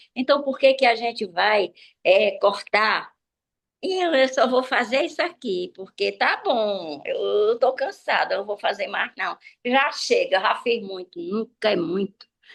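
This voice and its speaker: Speaking at a fairly slow pace, a woman with a high pitch moves through very wide pitch swings. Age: 70s. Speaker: participant in online devotional group. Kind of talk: group devotional sharing. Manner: animated.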